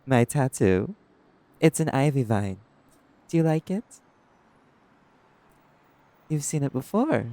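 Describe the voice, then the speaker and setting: A man's voice: medium pitch, very animated, slow pace, pauses often, dark tone, no echo. A man playing a sinister doctor villain in an audio drama, mockingly polite and falsely caring. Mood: menacing, taunting. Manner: falsely solicitous, gloating, drawn out. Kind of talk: scripted audio roleplay acting.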